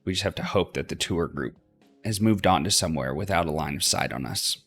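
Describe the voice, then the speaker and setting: Casting: male let's play narrator, deep voice with vocal fry, expressive and varied in pitch, reading a visual novel. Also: fairly quick, soft background music.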